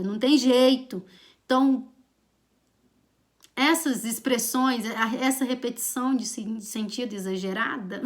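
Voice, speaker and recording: Playful Brazilian woman teacher. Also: sits high. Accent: Brazilian Portuguese. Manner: playful, chatty, teasing examples. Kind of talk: recorded online lesson.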